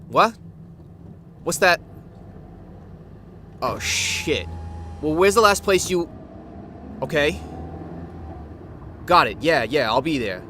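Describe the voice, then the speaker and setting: A man playing a loyal tough guy with casual, clipped slang in an audio drama. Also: a little high. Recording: faint outdoor car noise.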